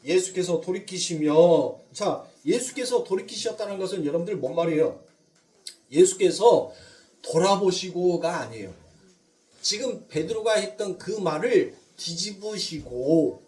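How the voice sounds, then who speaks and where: A man's voice: high voice, animated, normal speed, a little mellow, recorded from a distance. A male pastor preaching a sermon, putting questions to the congregation and answering them himself with rising emphasis. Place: church sanctuary.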